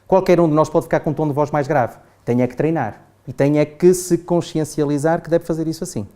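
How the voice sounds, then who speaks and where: A man's voice: on the high side, steady tone, brisk, warm tone. A man with a European Portuguese accent giving a chatty classroom talk to adults, often asking the group "não é?". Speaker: trainer. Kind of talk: classroom lecture.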